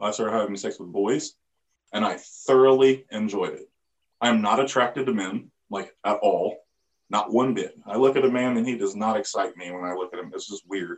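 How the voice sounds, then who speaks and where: In an American accent, a man with a plain, everyday voice speaks at a medium pitch and moderate pace, with ordinary pitch variation and big swings in loudness. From southern Indiana. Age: 30s. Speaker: rapper. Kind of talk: interview. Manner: casual.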